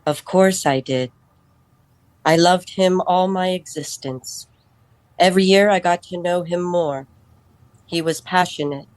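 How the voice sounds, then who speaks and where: An actress voicing a calm, literal-minded female android who served as a household steward, speaking in a measured, matter-of-fact way. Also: fairly low pitch, dry recording, close to an everyday voice. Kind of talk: radio drama acting.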